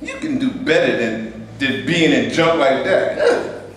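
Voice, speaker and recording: A man's voice: medium pitch, animated, unhurried, fairly bright tone. A man in a staged play reading, playing an ambitious, resentful Black man who dreams of making movies. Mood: scornful. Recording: echoey room, distant mic, faint noise.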